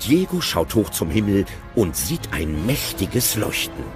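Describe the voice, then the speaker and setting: A male narrator telling an audio drama calmly. His voice is low but very lively, with clear music beneath it. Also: unhurried. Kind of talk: storybook narration.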